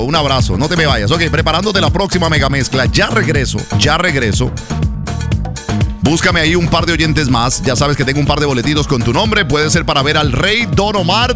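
A man hosting a call-in radio show, chatting affectionately and playfully with callers in a sing-song way. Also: a little high. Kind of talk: lively call-in radio chat. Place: radio studio. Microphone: studio microphone. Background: music.

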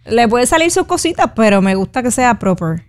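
Lively high-pitched Puerto Rican woman co-host. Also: fairly quick. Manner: chatty, laughs easily. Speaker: radio co-host. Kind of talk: casual radio banter.

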